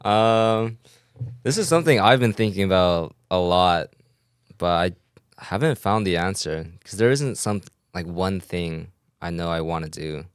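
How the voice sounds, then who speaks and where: A twenty-three-year-old man on a podcast, answering in a soft, unsure way. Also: low-pitched, a little slow, clear, resonant tone, no echo, clean studio sound. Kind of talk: casual podcast chat.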